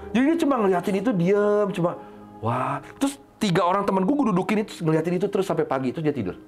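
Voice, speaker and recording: A man tells a story in casual podcast chat, his pitch swinging widely as he talks. He jumps into high, loud voices to act out his friends. Soft music plays faintly behind him. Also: quick pace. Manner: animated, jumps up high when acting out friends.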